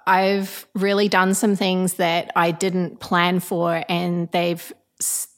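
A woman's voice: on the low side, completely flat delivery, slow. A woman in her late thirties from New Zealand with a blended New Zealand and Australian accent, a guest chatting casually and reflectively in a home kitchen, laughing often. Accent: New Zealand, with some Australian. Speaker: guest, architect turned business coach. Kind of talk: casual interview chat.

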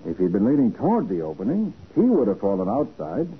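An actor playing a confident, quick-thinking private detective in a 1940s radio crime drama. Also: male voice, on the low side, huge pitch swings, slightly rough, heavily acted. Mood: reasoning, assured. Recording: narrow 1940s radio recording, faint hiss.

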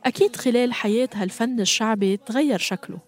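A woman hosting a podcast, narrating from a script in a calm, explanatory way. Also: a little high, quick pace, soft background music. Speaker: podcast host.

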